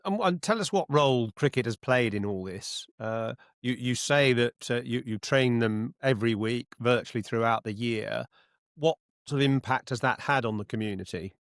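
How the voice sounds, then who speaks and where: A male interviewer asks questions conversationally. His voice sits at an average pitch, and the recording is dry and close. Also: moderate pace, dry recording. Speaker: interviewer, podcast host.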